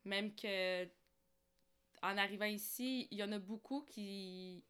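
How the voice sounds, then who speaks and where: A woman's voice: mid-range voice, slow, fairly bright tone, smooth. A woman from Algeria chatting casually as a podcast guest, telling personal stories. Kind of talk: casual conversational storytelling.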